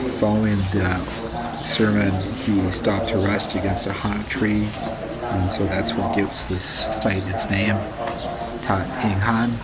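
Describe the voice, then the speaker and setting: A man at a fairly slow pace over loud background noise. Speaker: travel vlogger. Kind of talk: casual travel vlog narration. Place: open country. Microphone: phone near.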